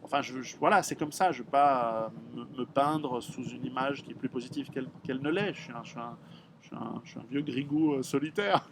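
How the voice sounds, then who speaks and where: This is a middle-aged man, talking things through in a loose, unscripted way. His pitch sits in the ordinary middle range for a man, and he speaks frankly and bluntly, often stopping to restart a sentence. A faint hiss runs under the voice. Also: fairly quick. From Switzerland. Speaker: author answering readers' questions. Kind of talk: casual spoken monologue.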